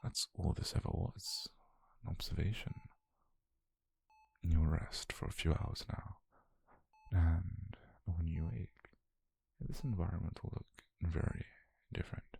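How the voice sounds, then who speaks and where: A British man playing a detached, clinical scientist in a whispered ASMR roleplay, measured and softly controlling, murmuring notes on a captive subject. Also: full character voice. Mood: hushed, controlling. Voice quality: breathy, gravelly low murmur.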